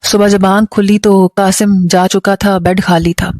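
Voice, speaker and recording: A woman narrating a moral romance story with an even, measured storytelling delivery. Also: mid-range voice, dry recording.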